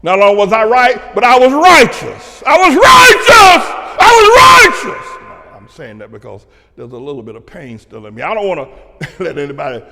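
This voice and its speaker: An older pastor from North Carolina with a Southern drawl, his voice high and bright with a gravelly edge. He rolls from low, chuckling asides into sudden shouted declarations. The sound carries a long reverb, as in a large hall. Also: wildly swooping pitch, moderate pace. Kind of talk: preaching commentary to a broadcast audience.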